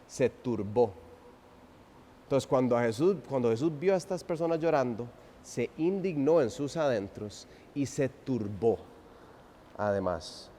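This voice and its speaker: A man preaching an expository sermon, swinging from loud emphasis to hushed, drawn-out phrases and asking the congregation rhetorical questions. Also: mid-range voice, lively intonation, slight background noise. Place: church sanctuary. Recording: long reverb of a church hall.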